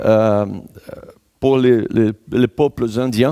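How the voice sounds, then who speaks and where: Heard in a dry, close sound with no echo, a man speaks at a medium pitch with a dark, mellow tone and ordinary pitch variation. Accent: Brazilian. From Brazil (São Paulo state, Pirassununga). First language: Portuguese (speaking French). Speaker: pastor. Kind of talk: sermon. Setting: church. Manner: halting.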